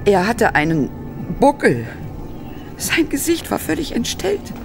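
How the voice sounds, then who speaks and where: A woman playing an embittered, frightened Hollywood actress, telling her story in a halting, dramatic German horror radio play style. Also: a little high, wildly swooping pitch, gravelly, music in the background, heavily acted. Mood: horrified.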